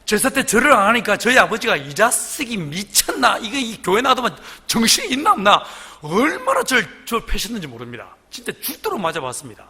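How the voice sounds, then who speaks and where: A man's voice: high-pitched, huge pitch swings, brisk, few pauses, pushed and bright, slightly rough. A middle-aged man preaching a revival sermon as guest pastor, telling stories with voiced quotes and bursts of laughter. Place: church sanctuary. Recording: long hall reverb in church.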